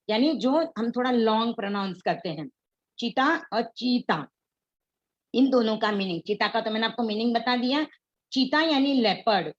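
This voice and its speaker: A woman's voice: fairly high pitch, lo-fi sound. A woman teaching an online class on pronunciation, explaining patiently and mixing English words into her Hindi.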